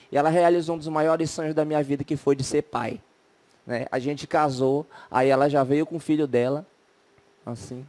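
A man's voice: a little high, a little mellow. A young man doing a self-mocking stand-up set on a talent show, chatty and full of little tag questions. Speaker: stand-up comedian contestant.

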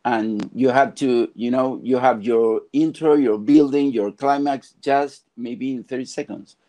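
A middle-aged man from Argentina, a film composer, talking on a video call from his home studio with halting phrasing and many restarts. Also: mid-range voice, mellow. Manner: halting, searching for words, frequent restarts. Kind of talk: casual video call interview. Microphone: earphone mic on video call.

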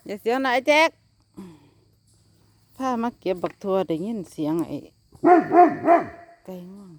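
A woman's voice: mid-range voice, animated, measured pace, a crowd in the background. A woman with an Isan accent, chatting casually to viewers while she gardens in her backyard and talks to her dogs. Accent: Isan (Northeastern Thai). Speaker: vlogger.

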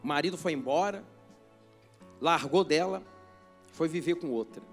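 A male bishop preaching a sermon, telling a story with animated delivery and acting out the people in it. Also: on the high side, moderate pace, faint music behind.

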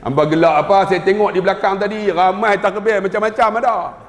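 A man with a Malaysian Malay accent giving a humorous mosque lecture, telling stories, mimicking voices and slowly reciting Arabic prayers. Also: high-pitched. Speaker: preacher. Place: mosque hall. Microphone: wireless mic. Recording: roomy mosque hall with long reverb.

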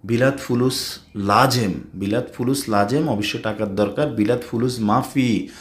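Bangladeshi man, language teacher, slow and repetitive, mid-range voice. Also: medium pitch. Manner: repeats words slowly, mixes in English phrases. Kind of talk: spoken language lesson.

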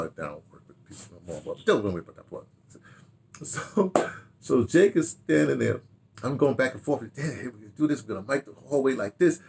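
An American man in his sixties reminisces casually in a rambling, halting way, repeating words and throwing in animated asides, recorded in a home study. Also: medium pitch, creaky, slight background noise. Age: 60s. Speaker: radio drama director telling his history. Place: small home study, indoors.

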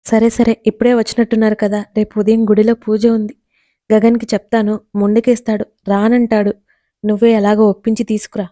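A woman's voice: medium pitch, level tone, a little fast, no room sound, natural voice. A woman doing a bossy cheerful mother-in-law. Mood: coaxing. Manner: warmly bossy. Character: cheerful firm middle-aged mother-in-law.

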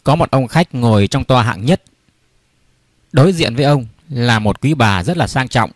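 A man's voice: mid-range voice, animated, normal speed, dry recording. A man reading short comic stories aloud, raising his voice for the characters in them. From Vietnam. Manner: puts on raised voices for characters in the jokes. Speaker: joke teller.

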